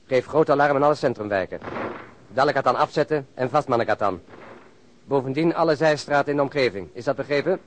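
An actor in a Dutch radio drama playing an alert, commanding plainclothes police detective. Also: male voice, mid-range voice, quick pace, a little hiss or hum, natural voice. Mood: brisk, official.

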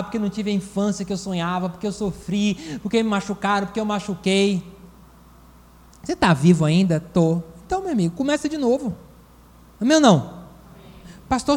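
A man preaching a sermon as pastor and psychologist, lively and acting out the voices he quotes. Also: high voice, big-room sound. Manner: animated, acts out quoted voices.

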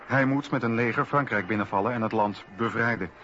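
A man's voice: medium pitch, brisk, sharp tone, lo-fi sound, slight background noise. A man narrating a scripted historical radio documentary.

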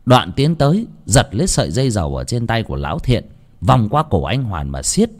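Brief: male storyteller, low voice with lively, expressive pitch, grave and emphatic folk-tale narration. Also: a little fast.

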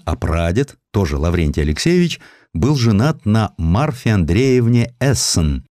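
A low, dark-toned male narrator tells a historical tale in a theatrical, ironic manner for an audio sketch of expressive, scripted literary narration. His intonation swings widely from phrase to phrase. The recording is very dry, with no room sound around it.

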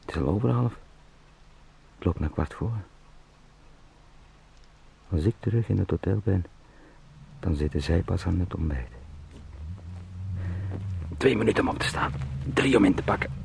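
An actor playing an anxious travelling salesman in a radio drama, muttering haltingly and repetitively to himself in a gravelly voice. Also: deep voice, lively intonation, a little mellow, exaggerated voice. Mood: anxious, hurried resolve.

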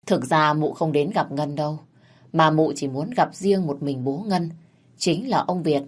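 A woman narrating a scripted story in a steady, plain storytelling manner. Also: deep voice.

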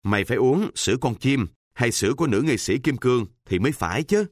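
A man's voice: medium pitch, lively intonation, fast talker, dry recording, studio quality, lightly acted. A man doing a cocky, teasing streetwise teen. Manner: mocking, full of slang.

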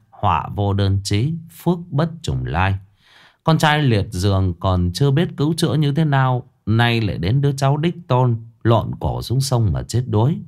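A man's voice: fairly low pitch, darkish tone. A man narrating a ghost story in a solemn, mournful storytelling voice. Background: faint music.

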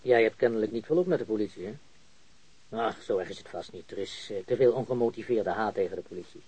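An actor playing a casual, reluctant young police applicant in a naturalistic radio drama, informal and hesitant. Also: male voice, on the low side, quick pace, mellow, slightly rough, low-quality recording. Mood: questioning.

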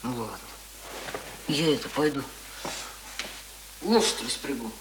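A performer playing a reticent, earnest young village boy in a Russian radio play, answering in short, halting phrases. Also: mid-range voice, animated, natural voice. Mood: subdued. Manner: short, halting, plain replies. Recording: noisy radio drama recording.

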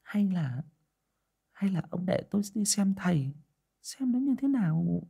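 A man voicing a frightened middle-aged village wife with a high, trembling voice. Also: sing-song, a little slow, gravelly, dark tone, slightly rough, exaggerated voice. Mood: hesitant.

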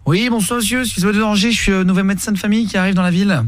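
A man's voice: high-pitched, fairly even intonation, rapid-fire, no room sound. A young man making a prank phone call, posing as a new doctor and rambling with hesitations and restarts. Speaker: prank caller.

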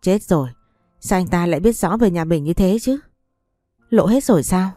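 Woman narrating a story, low and mellow. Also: moderate pace, dry recording, studio quality, faint music behind. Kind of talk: first-person audiobook narration.

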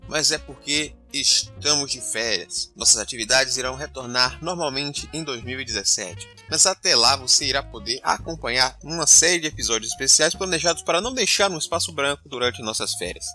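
Um homem interpretando um capitão de nave informal e expressivo, apresentador e narrador de um audiodrama. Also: male voice, medium pitch, fairly quick, hardly any pauses, bright, forceful tone, faint music behind. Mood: upbeat, narrating. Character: male spaceship captain, breezy, mildly grumpy storyteller. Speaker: host. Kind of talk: audio drama narration and dialogue.

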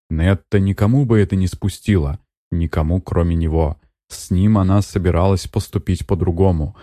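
A man reading an audiobook in an even, measured narration. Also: sits low, no echo, clean studio sound. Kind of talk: scripted narration.

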